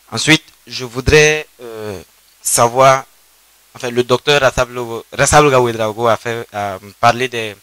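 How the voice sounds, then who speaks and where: A man's voice: mid-range voice, a bit bright, poor audio. A man with a West African French accent asking a spontaneous question from the audience, searching for his words.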